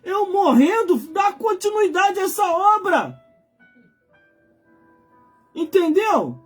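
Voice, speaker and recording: A man's voice: very high-pitched, very animated, slow, soft background music. A man in his forties with a Brazilian accent, preaching informally on a livestream in an emphatic, colloquial way, repeating phrases for effect. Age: 40s. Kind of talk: informal live sermon.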